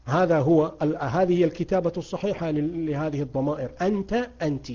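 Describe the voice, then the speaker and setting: A man's voice: on the high side, steady tone, fast talker, mellow, highs cut off. A man teaching an Arabic grammar lesson to beginners online, quizzing his students and praising their answers.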